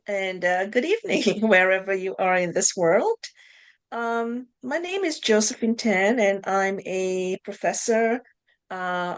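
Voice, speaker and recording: Middle-aged woman professor on a video call. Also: mid-range voice. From Malaysia. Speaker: professor of clinical psychology. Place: home office with bookshelves. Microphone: video call webcam.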